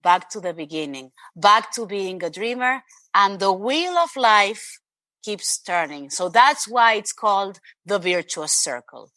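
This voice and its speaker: Bright, accented woman on a video call. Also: medium pitch, expressive, unhurried, dry recording. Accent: Spanish. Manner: earnest, emphatic, addresses host by name. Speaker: author and interview guest. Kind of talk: animated interview talk.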